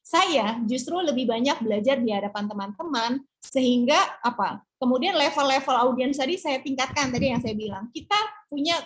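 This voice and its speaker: A middle-aged woman public speaking trainer answering class questions in a warm, encouraging way, often tagging her sentences with a questioning "ya". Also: sits high, expressive, normal speed. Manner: encouraging, peppers speech with "ya".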